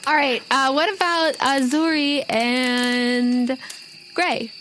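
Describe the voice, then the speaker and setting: A woman's voice: sits high, steady tone, slow, a bit bright, a little hiss or hum. A woman acting as game master, narrating a tabletop role-playing game in a casual, conversational, improvised way.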